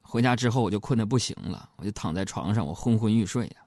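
A man's voice: on the low side, quick pace, a little mellow, no echo. A middle-aged man, hosting a comedic storytelling radio show and chatting straight to his listeners in a jokey way.

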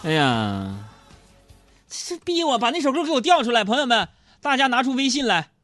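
A man's voice: very high-pitched, very animated, moderate pace, a bit bright, faint music behind. A middle-aged man, hosting a comedic storytelling radio show and chatting straight to his listeners in a jokey way.

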